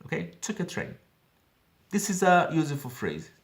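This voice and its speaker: A man's voice: fairly high pitch, wildly swooping pitch, normal speed. Brazilian man in his thirties, chatty. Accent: Brazilian Portuguese. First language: Portuguese. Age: 30s. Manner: earnest, chatty, keeps checking in with "okay?". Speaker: language-learning vlogger. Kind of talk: casual app walkthrough.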